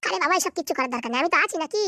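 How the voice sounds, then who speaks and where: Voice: high-pitched, lively intonation, racing, bright, forceful tone, no room sound, clean studio sound, exaggerated voice. A performer voicing a smug cartoon quack doctor. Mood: reassuring. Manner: smug, reassuring patter. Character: boastful quack village doctor, male, smooth-talking. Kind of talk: cartoon comedy dubbing.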